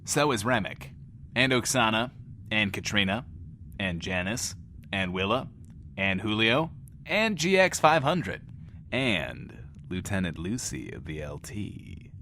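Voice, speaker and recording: Male radio host: theatrical, playful, mock-indignant, very lively pitch, audio drama patter over background noise. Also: slow pace, full character voice. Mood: mock indignation, teasing. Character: cheeky theatrical post-apocalyptic radio show host, adult man.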